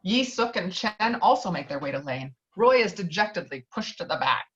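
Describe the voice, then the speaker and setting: A woman's voice: fairly low pitch, lively intonation, normal speed, a bit bright. A woman reading screenplay stage directions as scripted narration, heard through slightly dull online audio.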